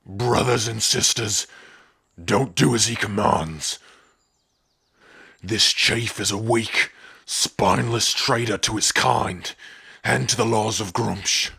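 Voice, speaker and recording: A man voicing a loyal, blunt male orc rebel in a fantasy audio roleplay, forceful and solemn. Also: lowish voice, takes it slowly, gravelly, long pauses, slightly rough, exaggerated voice. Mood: accusing, rousing.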